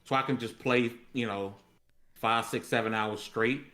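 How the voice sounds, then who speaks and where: A man's voice: medium pitch, steady tone, a little slow, pushed and bright. A man chatting casually on a gaming podcast in a slangy, emphatic way.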